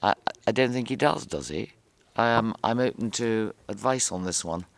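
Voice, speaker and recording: A man presiding as judge in a courtroom, halting and repeating his words while checking procedure. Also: on the low side, gravelly, dry recording.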